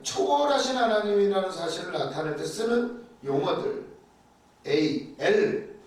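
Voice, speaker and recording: A man teaching a Bible class in a conversational church style, chatty and animated, often acting out quoted prayers. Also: sits high, measured pace. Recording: very echoey room, voice from a distance.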